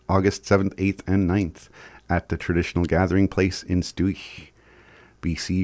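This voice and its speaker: A man's voice: deep voice, dry recording, studio quality. A man with an Indigenous Canadian reservation accent reading community announcements in an informal way, with the odd stumble.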